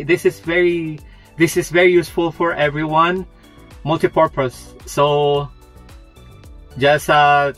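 Slow-paced middle-aged man, higher-pitched voice. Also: fairly bright tone. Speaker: truck driver and product reviewer. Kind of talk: casual product review vlog to camera. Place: truck cab.

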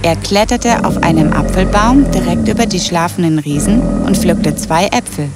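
A woman's voice: fairly low pitch, lively intonation, moderate pace. A woman storyteller reading a scripted children's fairy tale. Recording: clear music behind the voice.

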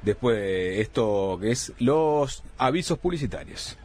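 A man hosting a radio debate, briskly introducing guests and topics. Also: mid-range voice, expressive, darkish tone, slight background noise. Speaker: host.

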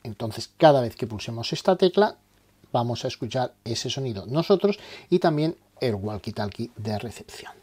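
A faint hiss or hum sits under this recording of a man giving a step-by-step tutorial. His voice is medium-pitched and darkish, animated and at normal speed, and his didactic style involves explaining terms and asking questions, then answering them.

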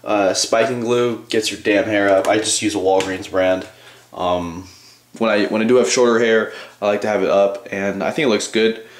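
Male vlogger, twenties, lowish voice, offhand and informal, casual rambling delivery, echoey small bathroom sound. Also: steady tone, normal speed. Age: 20s. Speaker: bodybuilding vlogger. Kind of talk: casual rambling vlog to viewers. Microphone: handheld camcorder at arm's length.

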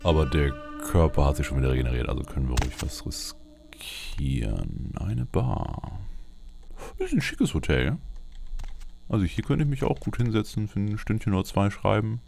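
A man's voice: sits low, lively intonation, moderate pace, gravelly, background noise. A man giving casual in-character game commentary, muttering to himself in short fragments. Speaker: let's player. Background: video game ambience.

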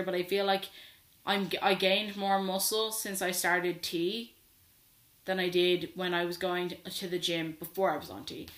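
This is a teenage trans man of sixteen giving a candid, filler-heavy update to his laptop camera. He speaks in a high-pitched, slightly bright voice, and the small bedroom he's in makes the recording echoey.

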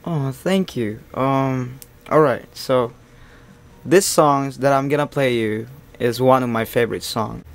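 A man's voice: medium pitch, measured pace. A young man from the Philippines chatting shyly and apologetically on a video call between songs. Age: young adult. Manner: soft-spoken, bashful, apologetic. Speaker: street-style singer on video chat. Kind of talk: casual chat between songs. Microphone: computer mic on a video call. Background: acoustic guitar playing.

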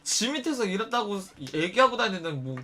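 A man's voice: high voice, a little fast. A young man telling a story to his viewers in a casual way, blunt and full of swearing. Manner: blunt, profane, animated storytelling. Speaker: streamer.

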